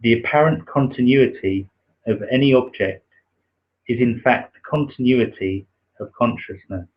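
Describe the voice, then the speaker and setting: A soft-spoken man with a naturally quiet voice, hosting a livestream and slowly reading a spiritual text, with many pauses and fillers. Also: mid-range voice, breathy edge. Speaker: livestream host reading aloud. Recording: dull lo-fi livestream audio.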